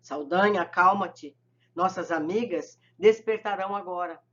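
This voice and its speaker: A reader voicing a serene male spirit mentor who prays in a solemn, gentle, measured way, recorded a little muffled. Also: medium pitch, close to an everyday voice. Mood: calm command.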